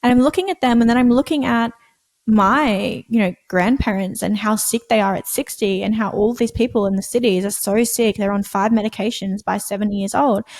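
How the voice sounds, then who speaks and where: Speaking with an Australian accent, a woman talks fairly quickly at a fairly high pitch with ordinary pitch variation, in a dry, close sound with no echo. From Australia, southeast Queensland. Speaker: quantum biology health coach. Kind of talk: podcast interview. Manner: casual, many fillers.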